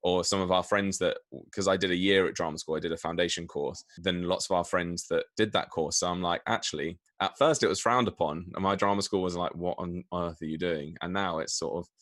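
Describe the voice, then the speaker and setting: A man's voice: sits low, fairly even intonation, a little fast, hardly any pauses, fairly bright tone. A man hosting an interview in a casual, chatty style. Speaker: interview host.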